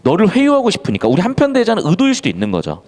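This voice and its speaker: A man tutoring students in an exam-prep lecture, animated, mixing casual and polite speech and acting out example lines. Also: high-pitched, rapid-fire, long reverb tail. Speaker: Korean literature tutor.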